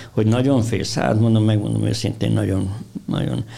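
Audible room echo surrounds a man speaking at a moderate pace. His pitch is fairly low. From Hungary, Pest county (Abony). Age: 70s. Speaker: festival organizer. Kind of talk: casual interview.

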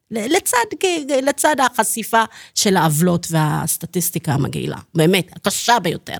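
In an Ethiopian accent, a woman at medium pitch talks at a fairly slow pace with vocal fry and very wide pitch swings, the sound dry and close with no echo on a very clean recording with a silent background. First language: Amharic (speaking Hebrew). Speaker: activist and academic. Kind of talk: interview.

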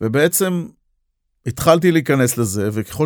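Speaking at a moderate pace with lively intonation, a man uses a normal speaking voice in a very clean recording with a silent background and a dry, close sound with no echo. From northern Israel (Nahariya, Galilee). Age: 50s. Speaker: chef. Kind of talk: interview.

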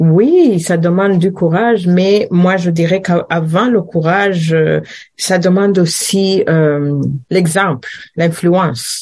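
A woman talks at a very slow pace with long, frequent pauses, at medium pitch. Her pitch varies in an ordinary way, and her loudness stays very even. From Rwanda. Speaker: director of a women's centre. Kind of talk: interview. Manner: halting with repetitions.

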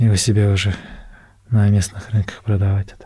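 At a moderate pace, a man talks in a fairly low, dark, mellow voice that is somewhat breathy. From Kyrgyzstan, Bishkek. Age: 30s. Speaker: courier. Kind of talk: interview testimony. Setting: studio.

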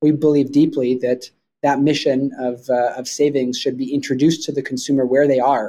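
Speaking with a Canadian accent, a man has a dark, mellow tone and a fairly high pitch. His intonation is monotone and flat, at a fairly quick pace. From Canada, Vancouver. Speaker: startup founder. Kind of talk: interview.

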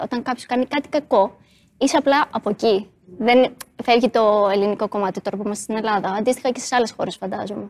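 A woman speaks fairly quickly at a fairly high pitch in a normal speaking voice. Her pitch varies in an ordinary way, and the sound is dry and close with no echo. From Greece. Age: 20s. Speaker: panel discussion participant. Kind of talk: panel discussion.

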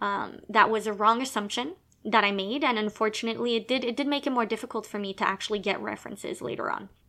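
The woman has an unremarkable speaking voice. Her pitch is fairly high, with ordinary variation. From Quebec, Canada. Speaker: law student podcast co-host. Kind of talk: casual chat.

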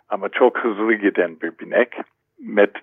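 A man with an English accent, speaking at a very slow pace. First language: English (speaking Turkish). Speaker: translator and poet. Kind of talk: radio interview. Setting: phone line from Ankara. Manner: halting with fillers.

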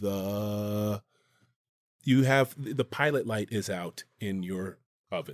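The man speaks with lively intonation. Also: dry, close sound with no echo, very clean recording, silent background. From Schenectady, New York. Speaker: actor. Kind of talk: casual chat. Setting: studio.

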